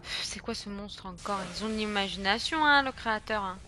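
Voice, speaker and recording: A young woman from France playing a horror game and commenting casually, chatty and excitable, swinging from shrieks to low mutters. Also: a little fast, heavy background noise. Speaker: gaming streamer. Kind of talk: casual let's-play commentary.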